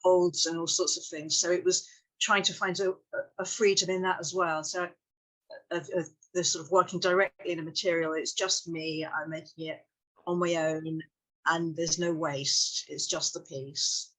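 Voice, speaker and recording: A woman's voice: lowish voice, level tone, moderate pace, a bit bright, rough recording. A woman speaking as a sculptor in an interview, earnest, often repeating herself and trailing off mid-phrase. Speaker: sculptor guest. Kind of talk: interview answers.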